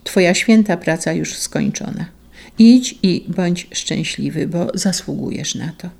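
A reader doing a soft-spoken solemn old doctor. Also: mid-range voice, unhurried, vocal fry. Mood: solemn kindness. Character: kindly elderly hospital doctor, solemn and calm.

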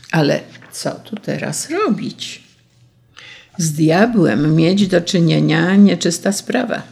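In a gravelly, mid-range voice with a husky edge, a storyteller tells an old folk tale, keeping the delivery steady and measured.

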